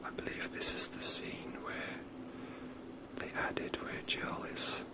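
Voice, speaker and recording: A man whispers ASMR video game commentary in a rambling, wry, sweary manner, close to the microphone. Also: slow pace. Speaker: video game streamer making ASMR gameplay.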